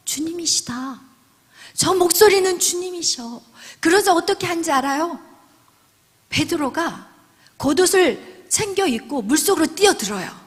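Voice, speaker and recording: A woman preaching a sermon. Her delivery swings from loud, emphatic lines down to hushed whispers. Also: high voice. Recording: long hall reverb.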